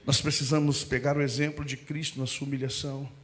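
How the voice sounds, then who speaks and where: A man preaching a sermon, telling funny stories with shouted asides and impressions. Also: medium pitch, quick pace. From Brazil. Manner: animated, humorous storytelling with shouted asides and impressions. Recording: music playing behind the voice.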